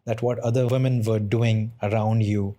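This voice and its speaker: Halting man hosting an interview. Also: fairly low pitch, little pitch movement, dark tone. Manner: encouraging, halting questions. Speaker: host. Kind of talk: interview host.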